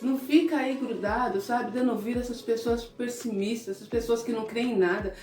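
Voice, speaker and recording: An earnest woman preacher, posing question after question. Her voice sits fairly high. The room is echoey, with faint music behind. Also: fairly even intonation, brisk, a little mellow, far from the mic. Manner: earnest, many rhetorical questions. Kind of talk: devotional sermon.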